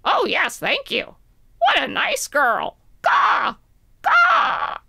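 A woman voicing a hungry, polite crow in a children's puppet show, squawking, creaky and theatrical. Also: high-pitched, huge pitch swings, drawn-out words, bright, forceful tone, no room sound, studio quality, pitched above the performer's own voice, heavily acted. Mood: grateful.

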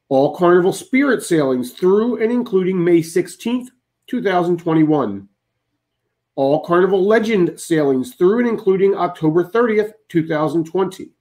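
A man's voice: high voice, darkish tone. A man hosting a cruise travel channel, steadily reading out a long list of updates to his viewers.

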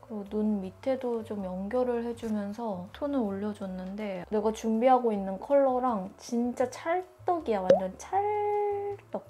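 A woman's voice: a little high, normal speed, few pauses, dark tone, faint music behind. A woman hosting a makeup tutorial, explaining each step in a chatty, informal way. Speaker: beauty YouTuber.

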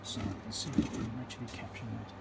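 A man with a medium-pitched voice and vocal fry talks fast and flatly through a hands-on electronics repair at an indoor workbench. As the video host, he explains each step matter-of-factly, recorded on a handheld camera or phone with loud hiss and background noise.

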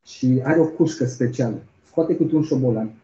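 A man's voice: medium pitch, warm tone. A man giving an academic keynote, telling a story and checking in with the audience through rhetorical questions. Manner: storytelling with frequent rhetorical "nu?" tags. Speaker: keynote speaker. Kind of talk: academic lecture, retelling a story. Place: conference hall. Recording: roomy, dull lo-fi lecture recording.

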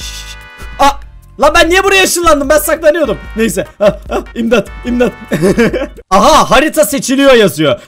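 A young man narrating his gameplay in a very high voice that leaps all over the place. He is playful and laughs easily, with faint game music running underneath. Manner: playful, shouts and laughs when startled. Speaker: gaming video creator. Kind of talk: excited gameplay commentary.

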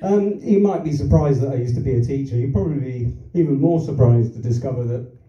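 In a medium-pitched, dark voice that runs a little fast, an older London stand-up comedian rambles through anecdotes on a small theatre stage, chuckling and putting himself down along the way. He holds a handheld mic; the audience-shot recording is roomy, distant and dull.

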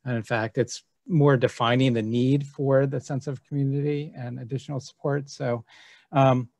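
A man giving an academic conference presentation over a video call, relaxed and hesitant with many fillers. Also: mid-range voice, normal speed, gravelly, no echo.

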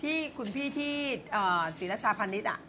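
Quick, high-pitched woman hosting a talk show. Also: a little hiss or hum. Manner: animated, sarcastic, laughs often. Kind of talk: political talk show chat.

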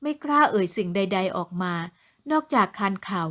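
A woman narrating an audio novel in a steady, even reading voice. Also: medium pitch, moderate pace. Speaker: storyteller.

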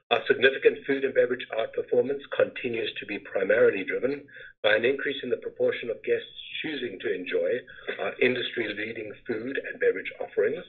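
A man in the role of a company finance executive reading a scripted earnings presentation in a formal, measured manner. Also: lowish voice, breathy edge. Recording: muffled phone-like conference call webcast audio.

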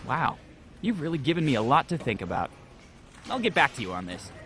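A man's voice: mid-range voice, sing-song, a little fast, a bit bright, a little hiss or hum. A man playing a breezy, obliviously self-assured slacker stock boy in a comedy audio sketch. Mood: smug, casual.

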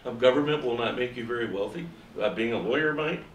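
An older man, a former diplomat, speaking on a panel in a measured, advisory way. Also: mid-range voice, slight background noise. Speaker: former Foreign Service officer, panelist. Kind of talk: panel talk. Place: university seminar room. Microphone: far camera. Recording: echoey room from far off.

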